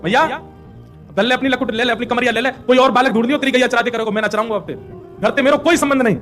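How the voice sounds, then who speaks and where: A man acting out the little boy Krishna in a devotional story, whining and sobbing as he pleads in a Braj accent. The voice sits high and the words tumble out fast, with faint music behind. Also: fairly bright tone. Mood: sulking. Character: child Krishna, small boy, sulking and pleading.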